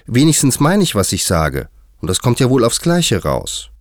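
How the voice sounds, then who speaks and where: A man's voice: on the low side, big pitch swings, normal speed, dry recording, clean studio sound, voice pushed up. A man voicing a prim young girl who speaks in an indignant, proper way. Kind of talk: audiobook character voice.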